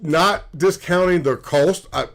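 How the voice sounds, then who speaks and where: A man's voice: fairly high pitch, unhurried, gravelly, a bit bright. A man co-hosting a livestream, explaining things in a matter-of-fact way with frequent restarts. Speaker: co-host, former sniper. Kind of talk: casual explanatory livestream talk.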